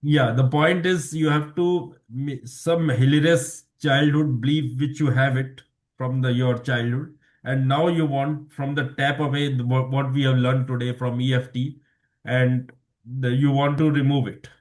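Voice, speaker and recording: A man runs an impromptu speaking session over a video call. He speaks haltingly and often stops to rephrase while he searches for the right words. His pitch sits in an ordinary middle range. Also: steady tone. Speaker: table topics master. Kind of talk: hosting a club speaking session.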